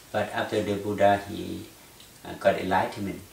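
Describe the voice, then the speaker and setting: A man speaks with a Thai accent at a fairly low pitch. Audible room echo surrounds his voice. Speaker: Buddhist monk, meditation teacher. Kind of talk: dharma talk. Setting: private house. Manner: halting.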